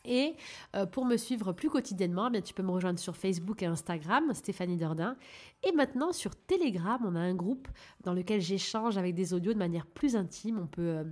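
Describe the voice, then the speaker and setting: A woman hosting her own channel, talking gently and encouragingly to her listeners as a life coach, in a casual coaching monologue. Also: medium pitch, expressive, a little fast.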